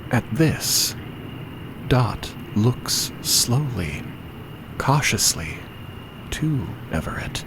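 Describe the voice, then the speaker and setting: A man narrating a scripted audio drama in a measured manner. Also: mid-range voice, sing-song, noisy background.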